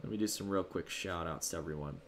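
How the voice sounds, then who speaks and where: Deep-voiced and fast-talking, a man runs a livestream at home with slight background noise behind him. His manner is casual and rambling while he thanks donors and handles chat.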